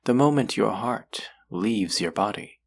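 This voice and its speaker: Guy doing a possessive demon for roleplay audio, real low n raspy, slow fancy formal talk, kinda coaxing. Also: heavily acted. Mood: hungry, seductive. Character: possessive, courtly male demon who hungers for hearts. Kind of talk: scripted roleplay audio drama addressed to the listener.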